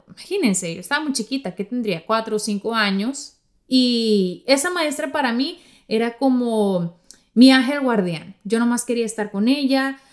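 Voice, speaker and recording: A woman from Mexico with a Mexican accent, hosting a podcast and telling stories in a chatty way, talking straight to her listeners. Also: on the high side. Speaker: podcast host. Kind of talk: casual podcast monologue.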